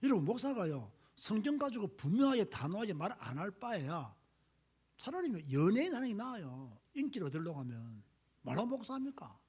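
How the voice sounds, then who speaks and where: Middle-aged pastor, husky, emphatic preacher with a lively, swooping delivery. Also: male voice, a little fast. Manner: emphatic, swings from low asides to loud exhortation. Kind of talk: sermon.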